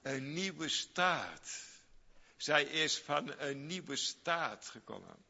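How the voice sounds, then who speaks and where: A man delivers a sermon at a slow, weighty pace in a somewhat high, very bright voice. He repeats phrases for emphasis and swings from loud cries to hushed asides. The recording is dull and lo-fi, with a long reverb from the hall. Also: very animated, gravelly. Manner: swings between loud high exclamations and low quiet asides. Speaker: preacher.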